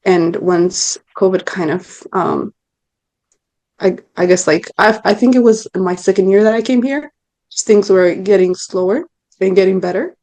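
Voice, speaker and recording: A woman's voice: medium pitch, a little slow, mellow. A woman in her twenties from Ethiopia, answering interview questions earnestly, with frequent ums and restarts. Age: 20s. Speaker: interview guest. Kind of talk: casual interview talk.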